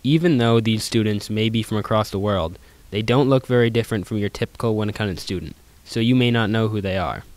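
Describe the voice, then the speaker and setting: Teen boy student reporter, even scripted narration, lower smooth voice. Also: fairly quick, few pauses, no room sound. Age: teens.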